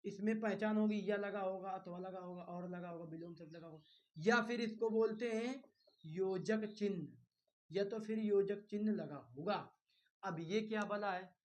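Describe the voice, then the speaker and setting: A man's voice: sits high, moderate pace. A male teacher giving an exam-prep grammar lecture, repeating key terms, firing questions at his students and coaxing them along. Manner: reassuring, coaxing with "bhai".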